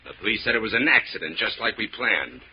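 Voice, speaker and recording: Low-voiced, bossy ex-convict crook. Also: male voice, expressive, fast. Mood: bitter, hard. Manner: gruff, slangy, domineering. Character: hard, cautious ex-convict crook, bossy ringleader. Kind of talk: 1940s radio crime acting. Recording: muffled, hissy old radio recording.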